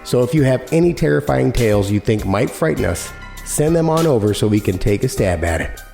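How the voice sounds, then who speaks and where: A man's voice: medium pitch, animated, brisk, creaky, warm tone, roomy sound, soft background music. A man hosting a podcast, reading a scripted introduction in a casual, chummy, conversational way. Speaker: podcast host.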